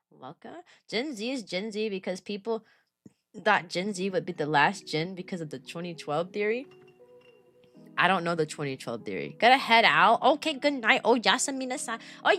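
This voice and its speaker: A woman livestreaming in a loose, chatty way, answering chat as she rambles from one thing to the next. Her voice is raspy and a little weak from allergies, yet it keeps a bright, forward edge. Soft music plays faintly behind her. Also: mid-range voice. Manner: chatty and rambling, casual slang. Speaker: VTuber streamer. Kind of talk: casual livestream chat, replying to chat.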